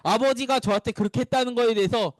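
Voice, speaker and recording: Man, pastor, children's sermon, high voice, lively question-and-answer delivery, dry close sound. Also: fast talker, no room sound. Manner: animated, asks children questions and answers them; playful storytelling.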